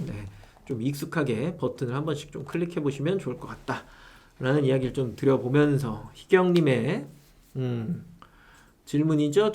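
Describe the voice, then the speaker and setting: A man's voice: fairly high pitch, darkish tone. A man who teaches online sellers, lecturing casually and often adding tag questions for agreement. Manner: chatty, rhetorical tag questions. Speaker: seller education instructor.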